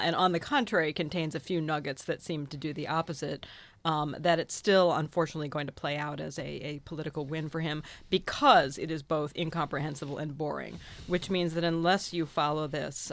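A woman speaking as a panel guest in a casual chat, dry and sardonic, fluent and quick with an aside. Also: sits low.

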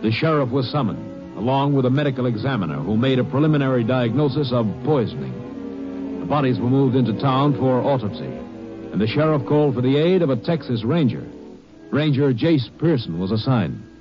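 A man narrating a 1950s radio drama from a script in a measured, dramatic way. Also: mid-range voice, very animated. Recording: muffled old radio recording. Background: dramatic music.

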